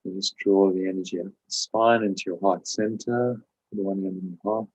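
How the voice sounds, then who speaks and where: A man leading a guided meditation as a spiritual teacher, giving calm, measured instructions with pauses. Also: deep voice, a little hiss or hum, poor audio.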